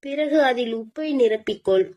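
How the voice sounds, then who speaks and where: A woman's voice: fairly high pitch, expressive, normal speed, a little mellow, natural voice. A woman speaking as a protective yet stern mother goddess, delivering a devotional divine message and addressing the listener as her child with firm instructions. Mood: motherly.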